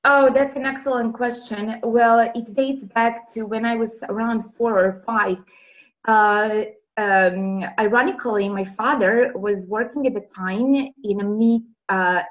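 A woman from Serbia, answering interview questions earnestly with many pauses, heard over a remote call. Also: medium pitch, dull audio. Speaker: interview guest.

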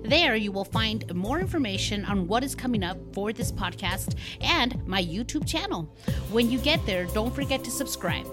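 A woman's voice: a little high, animated, moderate pace, over music. A woman hosting her own podcast, talking casually with many fillers while congested from a cold. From United States. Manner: chatty, rambling with many fillers. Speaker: podcast host. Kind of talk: casual solo podcast monologue.

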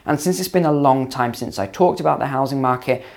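Slightly hoarse man explaining to camera. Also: medium pitch, a little fast. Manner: conversational, explanatory, with frequent ums and repeats. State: slightly hoarse after hours of calls. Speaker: finance video host and mentor.

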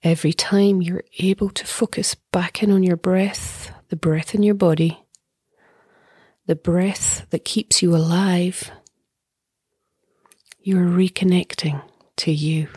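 A middle-aged woman leading a guided meditation as a teacher, speaking softly and breathily in a calm, gentle way with long pauses. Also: fairly low pitch, dry recording, clean studio sound. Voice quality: soft, breathy.

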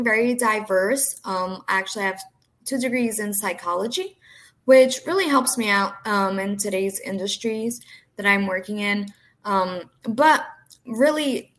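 A woman's voice: medium pitch, a bit bright. A young woman with a New Jersey accent, born in Brazil with Portuguese as her first language, telling her story as a podcast guest in an earnest way with frequent "um"s. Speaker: health insurance agent, guest. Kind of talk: podcast interview, personal story.

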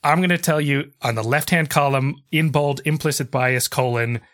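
A young man hosting a podcast, chatty and quick to laugh, his voice stuffed up from a cold. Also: mid-range voice, fairly bright tone. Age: young adult. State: congested, stuffed-up voice. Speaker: podcast host. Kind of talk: interview and outro.

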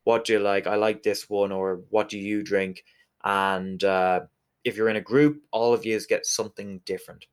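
Male interview guest, west of Ireland accent, lowish pitch, explaining in an informal conversational way. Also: steady tone, moderate pace, smooth. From Galway, west of Ireland. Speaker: interview guest, whiskey distillery representative.

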